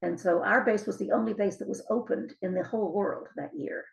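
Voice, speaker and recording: Older female author, interview guest. Gravelly, fry-edged voice, mid pitch, reflective conversational storytelling. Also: fairly even intonation, a little fast, rough recording.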